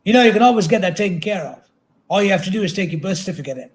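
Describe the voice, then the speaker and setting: A man reading aloud as a chatty, folksy state trooper who is quietly suspicious and leans on pointed questions. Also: high voice, lively intonation, very fast. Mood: curt, casual. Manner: insistent rhetorical questions. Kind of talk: dramatic literary reading.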